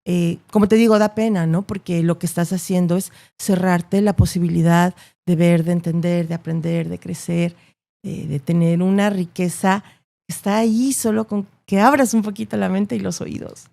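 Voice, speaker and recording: A woman speaks as an interview guest, her voice carrying a gravelly, creaky texture. She makes her points thoughtfully and emphatically, often checking in with a quick "no?". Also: lowish voice, steady tone, warm tone. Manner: thoughtful, emphatic, with frequent rhetorical "¿no?". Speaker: journalist guest. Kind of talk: podcast interview answers.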